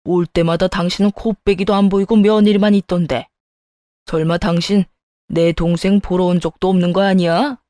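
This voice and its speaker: A woman's voice: lowish voice, fairly even intonation, moderate pace, dark tone, dry recording, studio quality, lightly acted. A woman voicing a furious older father-in-law. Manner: scolding, harsh commands. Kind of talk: storytelling dialogue.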